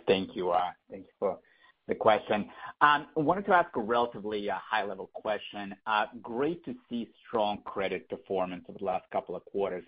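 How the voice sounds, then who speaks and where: A man's voice: low-pitched, slightly rough. A man working as a financial analyst, asking a question on an earnings call in a hesitant, roundabout way. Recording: dull lo-fi phone-in audio.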